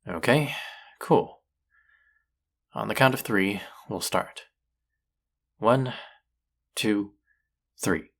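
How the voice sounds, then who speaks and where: Casting: male actor as arrogant chef with a low voice, sardonic and needling, secretly fond of his rival, for intimate audio roleplay. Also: extremely slow, long pauses, heavily acted. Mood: brisk, businesslike. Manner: teasing, sardonic, condescending. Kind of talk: intimate audio roleplay acting addressed to listener.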